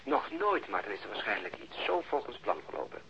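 An actor playing an exasperated, sardonic police officer in a radio drama, with a husky voice and dry, deliberate delivery. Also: male voice, lowish voice, very animated, bright, forceful tone, a little hiss or hum, heavily acted. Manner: dry, deliberate, ironic storytelling. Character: exasperated, sardonic male police officer recounting a botched stakeout. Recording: dull lo-fi old radio recording.

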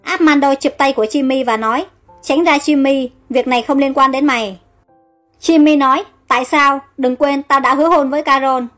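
Lady narrator w a high voice reading a story, soft music behind. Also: moderate pace. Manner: reads all characters in one even voice. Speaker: audiobook narrator. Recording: faint background music.

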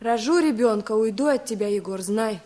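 An actress playing a lonely young peasant wife in a radio play, plaintive and reproachful. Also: female voice, a little high, brisk, warm tone, a little hiss or hum, lightly acted.

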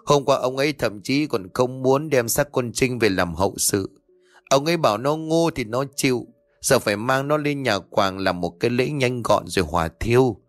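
A man's voice: mid-range voice, expressive, moderate pace, no room sound, soft background music, lightly acted. A man voicing a sorrowful middle-aged mother mourning her daughter, weary and complaining about her husband. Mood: grieving.

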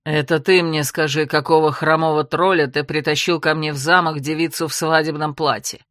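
A woman voicing a sardonic young nobleman with a low, velvety voice, scolding his younger brother in a storybook reading. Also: steady tone, moderate pace, a bit bright, dry recording, studio quality. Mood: contemptuous. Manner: biting, sarcastic.

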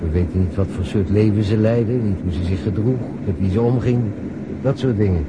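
An actor playing a reflective, questioning police detective in a naturalistic radio drama, musing aloud and probing with short questions. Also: male voice, on the low side, brisk, very noisy, lightly acted. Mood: brooding.

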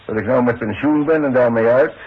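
An actor playing a proud but frightened retired demolition man, an older father who talks haltingly and evasively in a 1960s radio play. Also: medium pitch, slightly rough, close to an everyday voice. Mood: wounded pride. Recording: muffled, hissy 1960s radio play recording.

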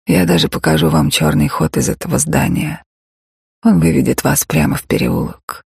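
A man voicing a weary, cautious East German woman who talks softly and breaks off mid-sentence, in a gravelly voice. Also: medium pitch, no echo, studio quality, heavily acted.

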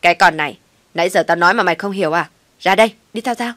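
Woman voicing a loud, nagging mother-in-law, low-pitched, dry sound. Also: quick pace, no room sound, natural voice. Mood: exasperated. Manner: harsh, nagging, shouting insults. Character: shrill scolding older mother-in-law, bad-tempered.

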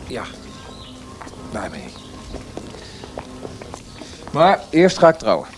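An actor playing an earnest, formal young Viennese writer in a Dutch radio drama, speaking in a measured, hesitant way. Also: male voice, medium pitch, huge pitch swings, faint music behind, heavily acted. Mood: reflective.

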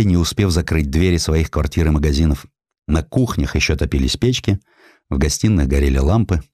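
A man reading a scripted historical narrative in an expressive, emphatic storytelling manner. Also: very deep voice, no echo, clean studio sound. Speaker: audiobook narrator.

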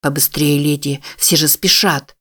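A narrator voicing an impatient, aggressive man driving a pickup, yelling insults. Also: medium pitch, fairly even intonation, a little slow. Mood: angry. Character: rude truck driver man, aggressive and impatient.

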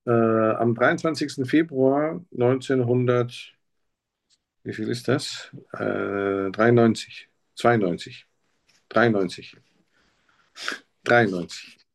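A man's voice: mid-range voice, slow, creaky, pauses often. A man playing a patient in a practice doctor interview, talking in a hesitant way and searching for his words. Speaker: simulated patient. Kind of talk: role-played doctor-patient practice talk.

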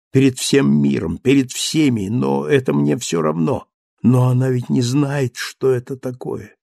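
A man voicing an anguished older ex-convict who pleads in a hushed, halting voice. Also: mid-range voice, gravelly, dry recording, clean studio sound.

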